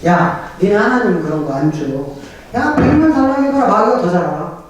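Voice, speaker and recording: A man's voice: sits high, brisk, highs cut off. A middle-aged male pastor preaching a humorous seminar sermon, acting out prayers and quizzing the audience. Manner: animated, joking, acts out prayers and quotes; asks the audience questions and waits for replies. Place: church hall at a pastors' seminar. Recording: echoey hall from far off.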